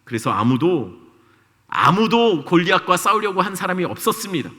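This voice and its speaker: A man's voice: high voice, big pitch swings, moderate pace, pushed and bright. A male pastor preaching a sermon in a church, telling a story with energy and putting questions to the congregation. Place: church sanctuary. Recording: long reverb of a church hall.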